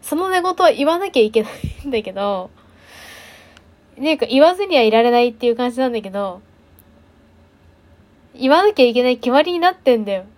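A woman's voice: on the high side, animated, fairly quick, long pauses, darkish tone. A young woman hosting a solo talk show, chatting casually and self-deprecatingly with lots of fillers. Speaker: podcast host.

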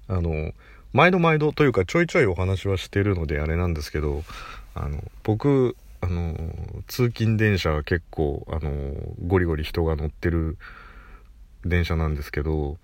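A man with a deep, low voice talks on his own in a casual chat show. His delivery is lively, with big rises and falls in pitch, and he keeps laughing at himself. The recording is close and dry. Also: dry recording. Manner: animated, chatty, laughs at himself. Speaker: podcast host.

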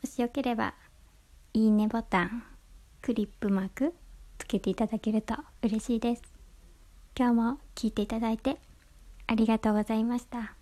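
A woman with a Hakata accent hosting a calm bedtime talk show, speaking softly and slipping into whispers. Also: on the high side. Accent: Hakata dialect. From Hakata, Fukuoka. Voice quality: soft, often whispered. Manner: relaxed, unhurried. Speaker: podcast host.

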